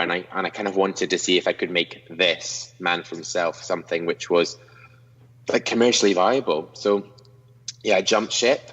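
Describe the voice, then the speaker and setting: Joining a podcast by video call from his own studio, a young Scot from near Inverness in the northeast chats in a casual interview, often restarting and teasing himself. The voice is deep and a bit bright, and the muffled recording has a long reverb tail.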